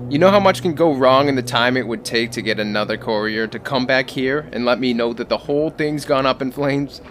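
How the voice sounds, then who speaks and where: A man's voice: mid-range voice, close to an everyday voice. A man playing an anxious, fussy rebel go-between in an audio drama, hesitant yet argumentative. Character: anxious, fussy male insurgent go-between haggling over contraband.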